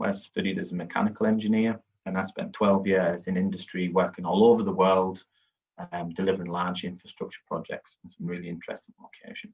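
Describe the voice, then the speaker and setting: A man with a northeast English accent talks at a very fast pace in a very deep, low voice, his intonation fairly even and his loudness swinging widely. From northeast England (Hartlepool). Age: 30s. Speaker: housing company founder. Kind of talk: presentation. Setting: virtual festival talk. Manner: halting, frequent fillers and repetitions.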